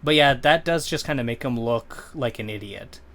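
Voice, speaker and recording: A man co-hosting a podcast, recapping scenes in a relaxed, casual way and correcting himself as he goes. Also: medium pitch, moderate pace. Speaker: podcast co-host. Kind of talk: casual chat.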